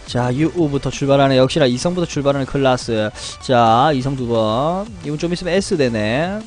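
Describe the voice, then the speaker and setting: A young man commentating his game card and pet draws, greeting viewers and chanting loudly when good results come up. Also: medium pitch, brisk, faint music behind. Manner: animated, chants and shouts at good pulls. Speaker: game streamer. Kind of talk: excited gacha pull commentary.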